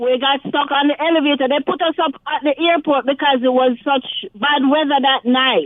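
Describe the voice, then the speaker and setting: The tone is animated, at a moderate pace with hardly any pauses. Loudness stays very even. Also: woman, high pitch for a woman. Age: 60s. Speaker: caller. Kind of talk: casual chat.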